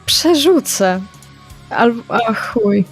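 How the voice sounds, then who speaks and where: A woman player chatting in an offhand, relaxed way during a tabletop game. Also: fairly high pitch, very slow, soft background music. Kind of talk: casual chat at a game table.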